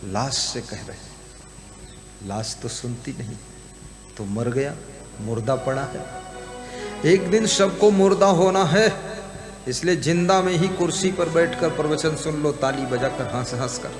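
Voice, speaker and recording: A man's voice: on the high side, unhurried. A man preaching a devotional sermon, telling a story with chuckles and chanted couplets. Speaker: spiritual preacher. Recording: roomy hall with music behind.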